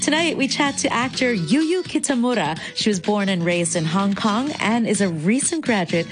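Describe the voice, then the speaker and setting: A woman hosts a style show, keeping her intros and questions upbeat and scripted. Her voice sits at an ordinary pitch over faint background music. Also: expressive, normal speed. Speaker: show host. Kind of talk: interview hosting.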